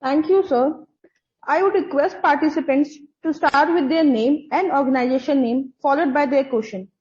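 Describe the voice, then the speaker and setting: A woman's voice: high voice, normal speed, a little mellow. A woman moderating a conference call with formal, scripted announcements. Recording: dull, band-limited conference call audio.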